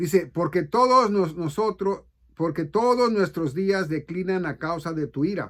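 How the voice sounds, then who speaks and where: A man's high-pitched voice, with ordinary pitch variation, comes through on a very clean recording with a silent background. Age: 60s. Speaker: bible teacher. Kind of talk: bible study talk. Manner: halting, with fillers and self-corrections.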